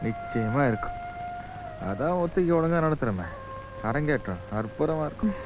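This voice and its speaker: A man's voice: on the high side, animated, normal speed, lightly acted. An actor playing a young man who reassures a woman and an orphan boy, in 1980s film dialogue. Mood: calm. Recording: dull film soundtrack with music.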